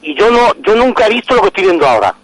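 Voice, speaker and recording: A man's voice: sits high, big pitch swings, rapid-fire, no room sound. Insistent man in his fifties over the phone. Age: 50s. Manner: insistent, cuts in with repeated "no". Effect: heard over a phone line. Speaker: radio caller. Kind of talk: call-in complaint.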